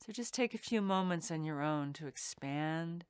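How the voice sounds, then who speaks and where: A woman meditation teacher leading a guided meditation in a soothing, deliberate way with pauses between phrases. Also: deep voice, lively intonation, smooth, dry recording, clean studio sound.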